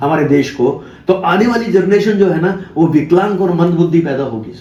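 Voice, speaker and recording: Audible room echo plus noticeable background noise, over speech at a moderate pace with ordinary pitch variation. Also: man. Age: 60s. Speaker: natural farming promoter. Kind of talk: sales pitch.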